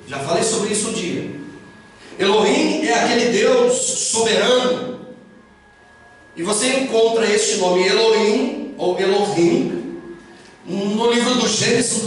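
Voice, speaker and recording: Brazilian male pastor, slow measured preaching, caught from a distance in a booming hall. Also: slight background noise. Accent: Brazilian Portuguese. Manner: emphatic preaching, slow and deliberate, bursts of raised voice. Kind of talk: sermon. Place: church hall. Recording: echoey hall from far off.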